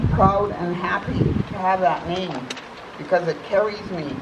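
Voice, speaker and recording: A woman speaks loudly at a fairly slow pace. Her pitch varies in an ordinary way, with noticeable background noise. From Saskatchewan, Canada (Cree). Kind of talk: public address at an event. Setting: outdoors, stadium crowd. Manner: halting. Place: stadium. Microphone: camera far.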